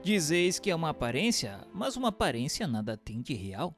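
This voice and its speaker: A man's voice: on the high side, sing-song, normal speed, fairly bright tone. A man gives a scripted, formal and didactic reading of a book of questions and answers. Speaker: narrator. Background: music.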